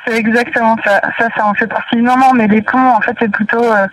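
A woman from northern France, a guest in a casual interview, talking hesitantly with many pauses and fillers. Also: a little high, fairly even intonation, no echo, recorded from a distance, rough recording.

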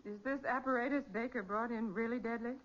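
An actress playing an eager, curious detective's assistant in a 1940s radio crime drama, with a breezy, inquisitive, slangy manner. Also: female voice, on the high side, steady tone, quick pace, a bit bright, lightly acted. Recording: muffled vintage 1940s radio recording.

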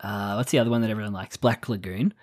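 Very low-voiced woman, wry podcast chat. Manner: relaxed, wry, quick to laugh. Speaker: podcast co-host. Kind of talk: casual chat.

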